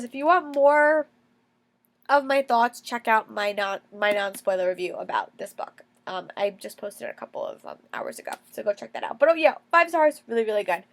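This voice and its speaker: A woman's voice: fairly high pitch, fairly bright tone. Congested young woman, chatty book vlogger. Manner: chatty, enthusiastic, repeats words for emphasis. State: congested with a cold, coughing. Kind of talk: casual reading wrap-up vlog.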